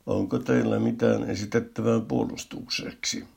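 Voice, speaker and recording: A man reading as a brisk gravelly police officer. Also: lowish voice, flat delivery, a little mellow, voice pushed up, heavily acted. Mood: officious.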